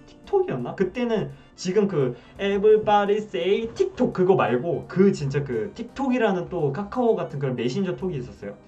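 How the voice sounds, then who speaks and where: A man in his twenties from South Korea, casually telling a story to camera and acting out the scenes. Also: high-pitched. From Wonju, South Korea. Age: 20s. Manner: animated, acts out scenes. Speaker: vlogger. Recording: dull sound, slightly distant, music behind.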